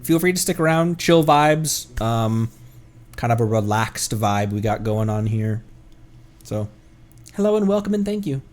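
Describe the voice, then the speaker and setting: A man's voice: medium pitch, animated, a little slow, a little mellow. A man who streams games as a VTuber, chatting casually and rambling as he thinks aloud. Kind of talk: casual livestream chat while gaming.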